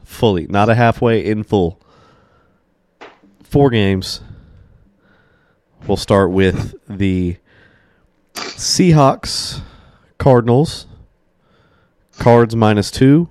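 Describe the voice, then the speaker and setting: A man's voice: on the low side, very slow, long pauses, darkish tone. A man in his early thirties co-hosting a sports podcast in casual banter, teasing and mock-indignant. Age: 30s. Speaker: podcast host.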